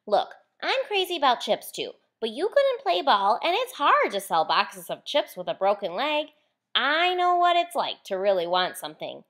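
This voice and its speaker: A woman's voice: fairly high pitch, wildly swooping pitch, normal speed, a bit bright. A woman voicing a kind, easygoing young boy in a children's storybook, speaking in a friendly, earnest manner.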